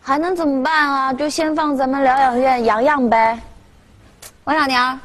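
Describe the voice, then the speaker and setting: An anxious, high-voiced young nurse. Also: female voice, steady tone, moderate pace, a bit bright. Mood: explaining. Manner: anxious, pleading. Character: soft-hearted young nurse fussing over a baby. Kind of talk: sitcom acting.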